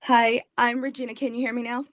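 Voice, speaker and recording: Brisk woman from California, parent. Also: a little high, little pitch movement, a bit bright. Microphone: video call.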